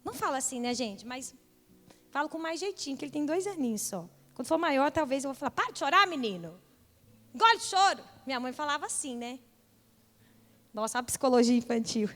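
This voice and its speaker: A woman's voice: high voice, a little fast, big-room sound. A young woman pastor preaching a sermon with impassioned, rising repeated calls.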